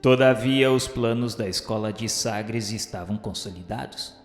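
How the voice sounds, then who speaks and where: A man with a Brazilian accent gives a solemn scripted radio drama narration in a formal, measured, literary manner. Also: on the low side. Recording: echoey hall-like reverb with music. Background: music.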